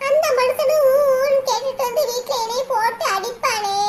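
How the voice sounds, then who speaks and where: Over light background noise, a woman puts on a cartoonish character voice at an extremely high pitch with fairly even intonation. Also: fairly slow pace. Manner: worried, fretful.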